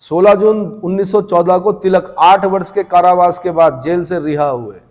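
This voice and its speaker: A man's voice: sits high, fairly even intonation, normal speed, darkish tone, in a large hall. A male coaching teacher giving a classroom lecture, reading points aloud, then asking students questions and explaining plainly. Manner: reads text then explains in plain talk.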